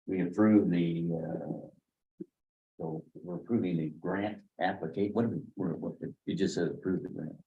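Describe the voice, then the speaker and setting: A man's voice: low-pitched, steady tone, normal speed, gravelly. A man on a county board asking questions and fumbling his words while making a motion. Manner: questioning, hesitant phrasing. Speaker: county commissioner. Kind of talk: public board meeting. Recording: tinny phone-like audio.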